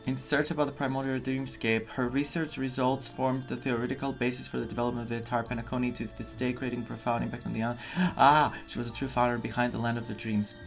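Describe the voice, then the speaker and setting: Chatty male gamer over loud music. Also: mid-range voice, level tone, fast, gravelly, hardly any pauses. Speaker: gaming streamer. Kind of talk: casual game playthrough reaction commentary. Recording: game music under the commentary. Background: game music.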